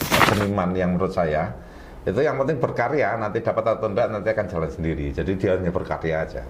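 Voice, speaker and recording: Very fast, lively speech from a man with a very deep, low pitch, over noticeable background noise. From East Java, Indonesia. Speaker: head of a regional culture and tourism office, former shadow puppet master. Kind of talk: podcast interview answer. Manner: humorous.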